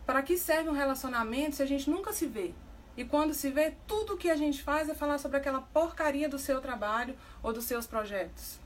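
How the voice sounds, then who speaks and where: A woman's voice: high-pitched, fairly quick, slight background noise, lightly acted. A woman voicing a tearful wife pleading with her distant husband, read aloud plainly in a Brazilian accent.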